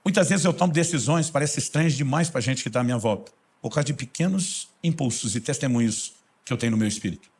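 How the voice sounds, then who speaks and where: A man's voice: mid-range voice, fast talker, few pauses, darkish tone, breathy edge. A man with a Brazilian Portuguese accent, preaching a sermon as a pastor and telling stories fervently.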